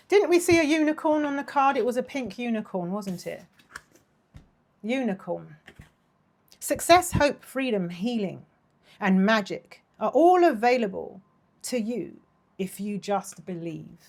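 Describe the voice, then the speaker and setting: Speaking a little slowly and pausing often, a woman in her thirties reads tarot casually in a highish, animated voice. She is affectionate and gushing, laughs a lot, and her worn voice is partly gone.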